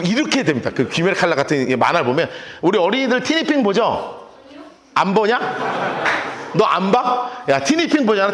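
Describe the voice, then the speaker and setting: A man with a very high voice preaches to his congregation in a lively, swooping delivery. He acts out scenes with voices and playful sound effects. The sound carries the echo of a church sanctuary. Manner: animated storytelling with acted voices and sound effects. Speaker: pastor. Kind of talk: sermon.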